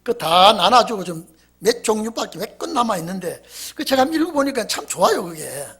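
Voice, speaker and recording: A male pastor giving a Friday evening sermon, telling stories and shifting dramatically between loud and soft. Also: sits high, brisk, husky. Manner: animated, storytelling, dramatic swings in volume.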